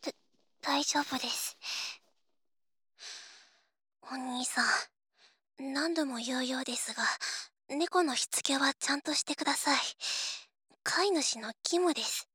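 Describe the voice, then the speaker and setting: A woman's voice: sits high, unhurried, long pauses, sharp tone, dry recording, clean studio sound. A woman voicing a prim, stubborn and easily flustered young woman in an intimate audio drama, speaking politely and formally with hesitant scolding. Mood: shy, soft. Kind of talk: Japanese audio drama, intimate role-play to listener.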